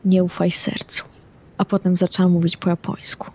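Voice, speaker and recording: A woman's voice: fairly low pitch, completely flat delivery, normal speed, warm tone, husky. A woman playing a tabletop role-playing game, casually speaking in character and describing her actions. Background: music.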